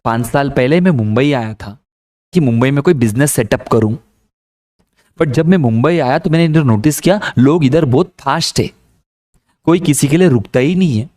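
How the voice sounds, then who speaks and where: A man voicing an older male street food vendor who talks in a gentle, fatherly way. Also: mid-range voice, normal speed, lightly acted.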